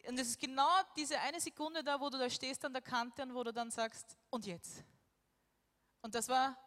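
A woman's voice: a little high, a bit bright. A woman giving a personal testimony, acting out her own thoughts as she tells it. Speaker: speaker sharing a personal story. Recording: echoey hall.

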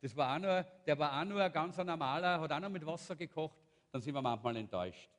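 A man's voice: on the high side, lively intonation, quick pace. A man, a pastor preaching a sermon and animatedly retelling a Bible story, acting out the characters. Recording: long hall reverb.

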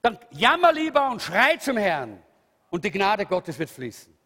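A man preaching a lively, emphatic sermon, calling out hallelujah. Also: high voice, a little slow. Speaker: pastor. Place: church hall. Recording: reverberant church hall.

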